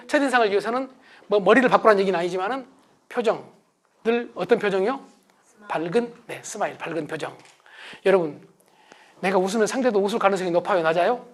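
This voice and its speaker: A middle-aged man giving a motivational lecture, asking the audience questions and answering them himself. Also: extremely high pitch. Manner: acts out shouted family calls. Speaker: success lecturer.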